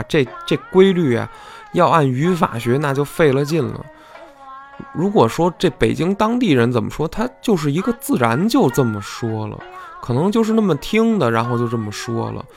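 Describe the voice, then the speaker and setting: A man's voice: on the high side, gravelly. A man hosting a podcast, explaining in a chatty, folksy way and often asking his listeners "right?". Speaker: podcast host. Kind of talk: casual explanatory monologue.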